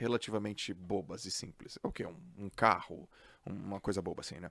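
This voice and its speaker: At a fairly quick pace, a man speaks against a quiet background in a dry recording with no echo. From Brazil. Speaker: finance podcaster. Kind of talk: casual chat. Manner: halting. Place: studio. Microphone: studio mic.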